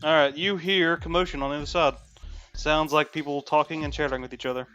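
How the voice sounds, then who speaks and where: A man's voice: a little high, steady tone, fast, sharp tone. A man running a tabletop game as game master, casually narrating for a group of friends. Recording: dull lo-fi audio with background music.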